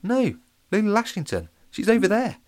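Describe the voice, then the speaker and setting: A high, squeaky schoolboy yelps in protest, as a male narrator puts him on. He is cheeky and excitable, a storybook child. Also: moderate pace. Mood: indignant. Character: eight-year-old boy, cheeky and excitable.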